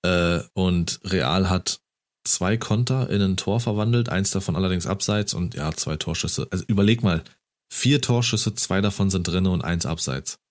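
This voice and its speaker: A man with a very low, deep voice chats casually about football. He retells the game with enthusiasm and grows animated at the highlights. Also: normal speed. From Germany.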